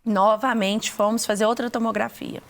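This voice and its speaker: A middle-aged woman with a Brazilian Portuguese accent, telling her faith testimony to an interviewer, earnest and halting, often repeating words. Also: on the high side, flat delivery. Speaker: interview guest giving testimony.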